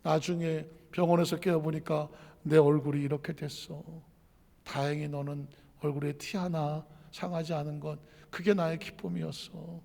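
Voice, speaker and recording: A man voicing a gentle sorrowful mother. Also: high-pitched, fairly even intonation, normal speed, big-room sound.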